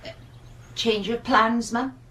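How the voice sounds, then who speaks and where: An actress playing a humble, dutiful servant in a radio horror play, with a hesitant, homely, deferential way of speaking. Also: female voice, a little high, fairly even intonation, slow, fairly bright tone.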